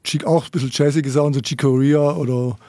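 A man in his fifties, a band founder and musician, easygoing and quick to laugh in a casual radio interview. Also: medium pitch, fairly even intonation, mellow, no echo.

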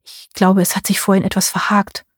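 A woman voicing a tired nurse friend in an audiobook, soft and weary. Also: medium pitch, flat delivery, a little fast, slightly rough, dry recording, studio quality, close to an everyday voice.

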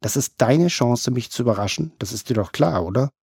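A man voicing a brisk, mocking female police chief who needles her colleagues with pointed questions. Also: mid-range voice, expressive, creaky, a little mellow, breathy edge, dry recording, clean studio sound. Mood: probing.

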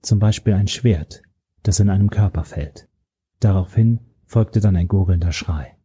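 Man, audiobook narrator, first person, grave, steady, low, husky. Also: measured pace.

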